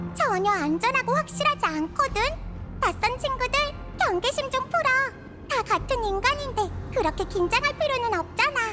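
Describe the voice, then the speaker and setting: A cartoonish character voice at an extremely high pitch, with long, frequent pauses. Clear music plays in the background. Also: moderate pace. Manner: casual, warm.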